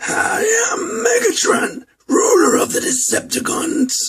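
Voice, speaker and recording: Extremely high pitch from a man in a put-on character voice, delivered at a fairly slow pace. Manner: menacing, commanding.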